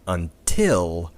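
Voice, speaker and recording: A man playing a bitter, sardonic rebel in an audio drama, addressing listeners with dramatic pauses and pointed, sweary emphasis. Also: sits low, exaggerated voice. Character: bitter, sardonic male rebel recounting a dystopian future.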